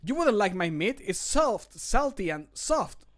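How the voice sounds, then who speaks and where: A man voicing a timid, pleading video game character who begs to be spared, speaking haltingly. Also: high voice, big pitch swings, fairly bright tone, pitched above the performer's own voice, full character voice. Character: timid, pleading potential meal begging to be spared. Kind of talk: game voice lines.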